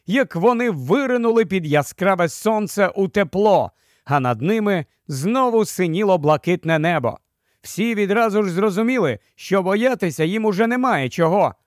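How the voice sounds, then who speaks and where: A male narrator reads a storybook aloud with a high-pitched voice. His reading is measured and expressive. The sound is very dry and close, with no room at all. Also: no room sound. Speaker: audiobook narrator.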